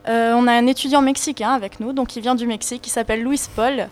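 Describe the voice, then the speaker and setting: A woman's voice: fairly high pitch, steady tone, quick pace. A woman introducing a student, speaking in broken restarts.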